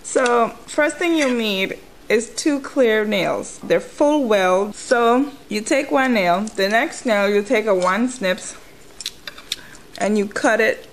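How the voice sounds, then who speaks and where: A woman's voice: on the high side, takes it slowly, a little hiss or hum, rough recording. A woman chewing gum while she talks, giving an informal, step-by-step nail tutorial in a conversational way. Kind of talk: casual hands-on tutorial talk.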